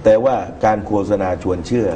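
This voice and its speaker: A middle-aged man giving measured political commentary as a guest in a TV studio talk show, speaking into a lapel mic. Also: warm tone, slight background noise. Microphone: lapel microphone.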